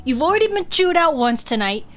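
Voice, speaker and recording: A woman's voice: high voice, very animated, brisk, fairly bright tone, soft background music, pitched above the performer's own voice. A woman voicing a crude, bullying, impatient deputy who barks orders in an audio drama. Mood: exasperated, threatening. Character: foul-mouthed bossy deputy barking orders. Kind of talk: audio drama game character.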